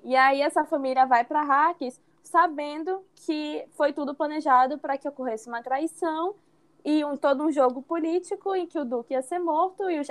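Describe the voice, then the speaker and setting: A young woman hosting a casual podcast. She laughs easily and sums up plots in a chatty way. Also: high-pitched. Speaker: podcast host.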